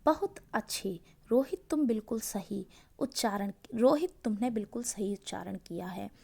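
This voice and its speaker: A woman's voice: mid-range voice, animated, vocal fry, warm tone, breathy edge. A woman teacher giving a grammar lesson, asking each point back as a question and then answering it, stressing key words. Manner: slow and deliberate, stressing words. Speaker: school teacher.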